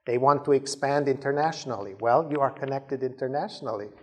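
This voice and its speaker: A man's voice: mid-range voice, a little fast. A man giving a conversational leadership talk to a Christian audience, often stumbling over and repeating words. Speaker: conference speaker.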